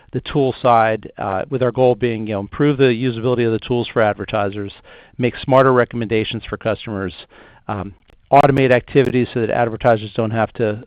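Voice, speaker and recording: Man, finance executive, halting measured answers, mid-range pitch, muffled dry conference line. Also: no echo. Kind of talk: earnings call answers, unscripted. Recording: muffled conference call audio.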